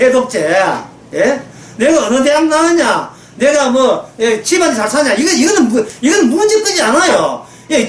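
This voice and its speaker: A woman preaching a sermon, emphatic and full of rhetorical questions, often prodding listeners for agreement. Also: high-pitched. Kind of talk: sermon lecture. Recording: echoey room from a distance, faint ambience.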